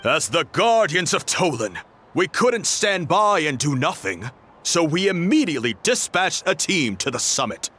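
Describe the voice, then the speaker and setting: A man's voice: fairly high pitch, moderate pace, breathy edge, full character voice. A man playing a friendly, earnest and hospitable young tribal guardian in an anime game. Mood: gracious, earnest. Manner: friendly, expressive. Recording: music behind the voice.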